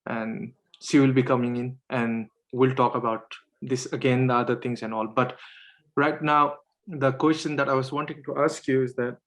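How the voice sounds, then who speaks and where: A man's voice: medium pitch, steady tone, normal speed, rough recording. A man whose first language is Nepali, moderating an online panel over a video call, hesitant, with many fillers and restarts.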